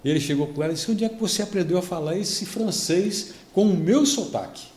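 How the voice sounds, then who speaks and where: A Brazilian man, a pastor, telling a story on a devotional podcast, lively and acting out the people he quotes. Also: high-pitched, a little fast, echoey room. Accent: Brazilian Portuguese. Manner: animated storytelling, acts out quoted speech.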